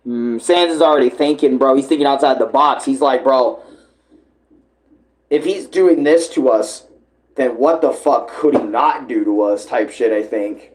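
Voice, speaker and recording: A man's voice: medium pitch, measured pace, darkish tone, rough recording. A man doing casual live reaction commentary as a streamer, talking in slang and swearing. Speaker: livestreamer reacting to a comic dub series.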